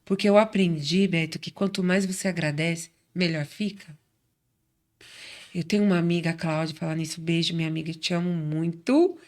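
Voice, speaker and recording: A woman's voice: fairly low pitch, fairly even intonation, fairly quick. Chatty Brazilian woman sharing faith testimony. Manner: warm chatty storyteller, acts out quoted voices. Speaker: guest. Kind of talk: testimony in casual chat.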